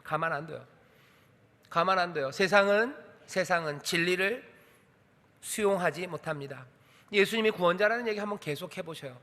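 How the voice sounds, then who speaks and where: Male pastor, high bright voice, emphatic sermon delivery, echoing church hall. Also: normal speed. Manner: emphatic preaching with rhetorical questions. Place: church sanctuary.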